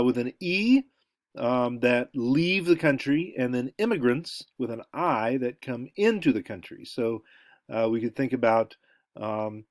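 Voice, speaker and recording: A man's voice: medium pitch, no room sound, studio quality. An American man giving an informal lecture, talking in a conversational way and thinking aloud with asides. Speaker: college lecturer.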